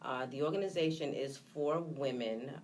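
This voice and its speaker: A woman's voice: extremely low pitch, a little mellow, a little hiss or hum. A woman from Trinidad, raised in Brooklyn, speaking candidly and hesitantly as an interview guest. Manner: candid, reflective, hesitant with many pauses. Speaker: guest, nonprofit founder. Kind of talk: personal testimony in an interview.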